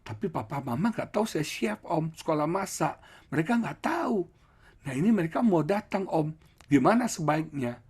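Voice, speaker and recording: A sheepish young man owning up, speaking low and a little husky, as a male preacher puts him on. He sounds unsure and pleading. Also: sing-song, normal speed, darkish tone, exaggerated voice. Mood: worried. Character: young adult son, sheepish and confessing.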